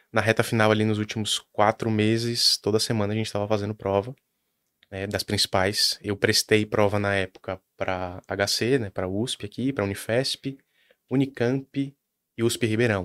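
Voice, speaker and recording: This man has an ordinary speaking voice, fairly low in pitch, with fairly even intonation at a moderate pace. The sound is dry and close with no echo, in a very clean recording against a silent background. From Brazil, Salvador, Bahia. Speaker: neurologist. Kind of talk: casual interview.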